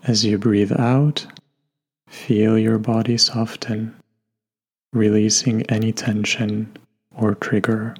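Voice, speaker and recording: A man leads a guided meditation at a very slow pace, with long pauses between gentle instructions. His voice is soft-edged and husky, with little melodic movement. Faint music plays behind him. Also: fairly low pitch, level tone. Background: soft background music.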